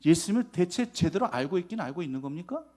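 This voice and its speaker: Animated male pastor preaching. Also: sits high, quick pace. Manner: lively, dramatizing scenes with acted-out quotes and asides to the congregation. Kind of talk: sermon.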